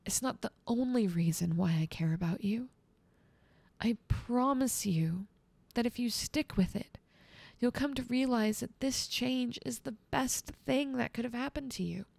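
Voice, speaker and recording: Woman acting a soft-spoken motherly angel, slightly creaky. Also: mid-range voice, dry recording. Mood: tender, devoted. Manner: soothing, coaxing, patient, drifting into whispers. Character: gentle motherly female guardian angel, caring and earnest. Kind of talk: soft-spoken ASMR roleplay.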